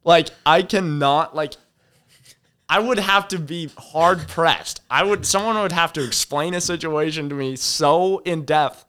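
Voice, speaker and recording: A young man chatting casually on a podcast, telling rambling stories in a relaxed way and laughing often. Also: a little high, unhurried, clear, resonant tone. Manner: rambling, laid-back storyteller, laughs a lot. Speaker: podcast co-host. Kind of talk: casual chat.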